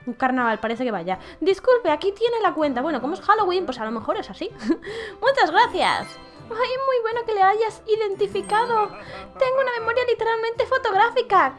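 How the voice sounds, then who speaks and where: High-voiced, animated woman gamer. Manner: reads game dialogue aloud in playful put-on voices. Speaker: gameplay video creator. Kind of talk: playful gameplay commentary. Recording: faint music behind.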